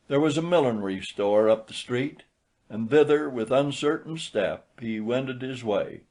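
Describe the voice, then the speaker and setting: Man, audiobook narrator, medium pitch, scripted literary storytelling. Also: darkish tone.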